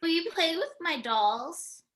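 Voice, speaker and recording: A woman's voice: very high voice, lively intonation, slow pace, fairly bright tone, exaggerated voice. A woman acting a young girl in a script table read. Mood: pleading.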